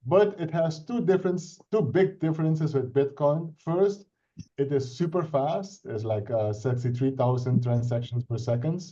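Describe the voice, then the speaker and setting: Middle-aged Dutch-accented man, native Dutch speaker, earnest explainer on a video call; mellow tone, dull lo-fi audio. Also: on the high side, normal speed. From Suriname. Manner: earnest, explanatory, with frequent restarts and "right?" checks. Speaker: IT consultant presenting a crypto project. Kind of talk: casual self-introduction and explanation on a video call.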